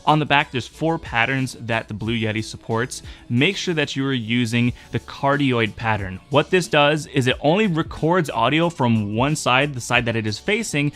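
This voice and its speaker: Young male tutorial host, baritone, matter-of-fact delivery, quiet music bed. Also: moderate pace, few pauses. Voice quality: mid-range baritone. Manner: steady, instructive, matter-of-fact. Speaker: streaming tech tutorial host. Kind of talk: explaining microphone setup tips. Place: home streaming desk. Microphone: dynamic mic on a boom arm.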